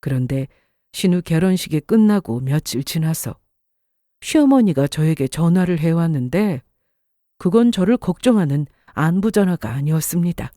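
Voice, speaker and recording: A woman narrating a first-person story in a calm, scripted storytelling manner. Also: fairly low pitch, moderate pace, no room sound, clean studio sound.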